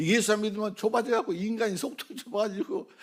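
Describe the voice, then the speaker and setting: This man has a high voice. He talks at a fairly quick clip. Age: 70s. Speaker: retired senior pastor. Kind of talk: sermon.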